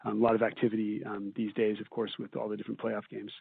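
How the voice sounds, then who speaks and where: Flat sounding exec guy on an earnings call, halting and measured, tinny phone audio. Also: lowish voice, vocal fry, slightly rough. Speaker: company executive. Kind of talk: answering questions on an earnings call. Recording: tinny phone line, roomy echo.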